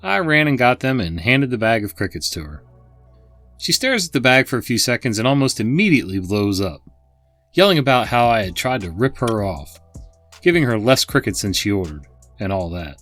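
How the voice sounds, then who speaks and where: A man's voice: mid-range voice, very animated, normal speed, fairly bright tone, faint music behind. A man hosting a channel, reading online stories aloud with chatty asides to his viewers. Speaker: host and narrator.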